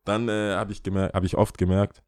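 A man in casual chat, animated, acting out quoted lines and often trailing off and restarting. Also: low voice, brisk, no echo, clean studio sound.

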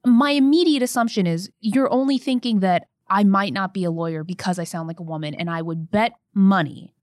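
A young woman attorney telling a personal story in an earnest podcast conversation, growing animated as she recounts events. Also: mid-range voice, brisk, dry recording, clean studio sound.

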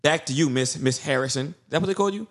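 A man's voice: fairly high pitch, very fast. A man with an African American English accent, chatting casually as a host in a slangy, teasing way and jumping in with questions. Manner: teasing, interrupts with repeated questions. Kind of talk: casual banter, slangy interview chat.

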